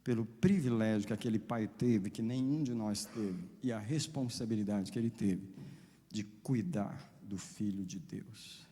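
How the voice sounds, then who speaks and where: A man preaching a sermon as a pastor, impassioned, with dramatic swings between loud and soft. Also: lowish voice, a little slow, long reverb tail.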